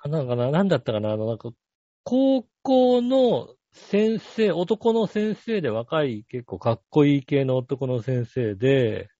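Animated rambling man, casual chat. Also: mid-range voice, unhurried, no room sound, lo-fi sound. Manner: rambling storyteller, animated, many fillers. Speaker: podcast co-host.

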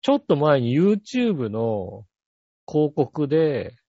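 A man's voice: on the high side, very animated, slow pace, mellow, dry recording, muffled recording. A man co-hosting a podcast, telling a rambling story in casual chat with many fillers. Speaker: podcast co-host.

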